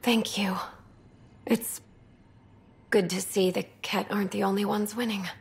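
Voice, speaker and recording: A haunted young alien survivor. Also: female voice, medium pitch, steady tone, a little slow, vocal fry. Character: young asari refugee officer, shaken and grieving. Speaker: junior ark crew survivor. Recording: game audio with soft music behind.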